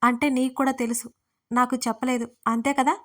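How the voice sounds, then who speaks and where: A woman's voice: sits high, little pitch movement, a little fast, a bit bright. A woman voicing a young woman in an audio story, hurt, jealous and weepy, pleading through sniffles. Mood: tearful.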